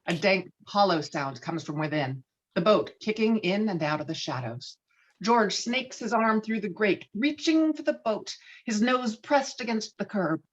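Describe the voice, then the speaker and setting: A woman's voice: medium pitch, lively intonation, unhurried. A woman reading screenplay stage directions as dramatic scripted narration. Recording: slightly dull, lo-fi microphone.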